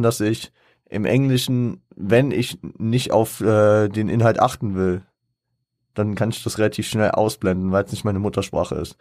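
A man with a lowish voice talks through a casual solo podcast episode, thinking aloud as he goes. He rambles, stops to count things off, and corrects himself often with plenty of fillers. The sound is dry and close, with no room around it. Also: darkish tone, no echo. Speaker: podcast host.

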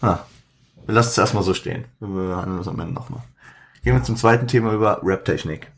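Man, podcast host, lowish voice, halting, lots of fillers and restarts, casual commentary, slang-sprinkled. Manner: halting, many fillers and self-corrections; mixes English slang into speech.

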